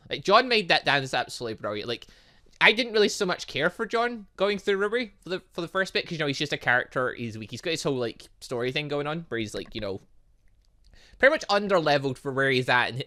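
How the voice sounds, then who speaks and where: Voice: mid-range voice, pushed and bright. A chatty gaming host giving rambling let's play commentary, thinking aloud while reading a visual novel and reacting to it.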